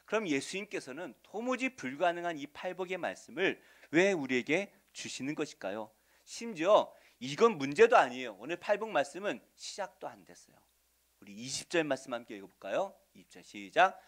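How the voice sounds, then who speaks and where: A male pastor giving a Sunday sermon, asking the congregation questions and answering them, swinging between loud stresses and soft asides. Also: on the high side, very animated, fairly quick. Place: church sanctuary.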